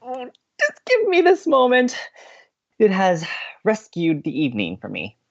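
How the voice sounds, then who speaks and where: A woman acting as a sweet, earnest, sentimental college radio co-host in an audio drama, with expressive delivery. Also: medium pitch, a little slow, highs cut off, exaggerated voice. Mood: delighted, cooing. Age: young adult. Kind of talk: naturalistic audio drama banter.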